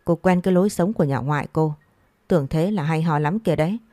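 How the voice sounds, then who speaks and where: A woman voicing a drunken, abusive middle-aged husband who scolds harshly and quickly. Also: low-pitched, warm tone, dry recording, natural voice. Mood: scolding. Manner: harsh, scolding, rapid-fire.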